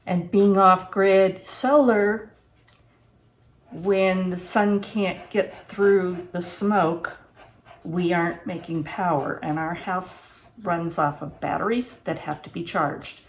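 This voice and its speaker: A sixty-something woman chats to the camera from her kitchen at home, giving down-to-earth vlog advice about preparedness and reviewing a product. She speaks slowly in a mid-range voice.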